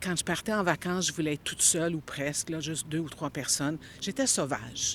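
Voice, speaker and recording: A woman's very deep, low pitch at a fairly quick pace. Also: ordinary pitch variation. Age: 70s. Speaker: interviewee. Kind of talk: interview.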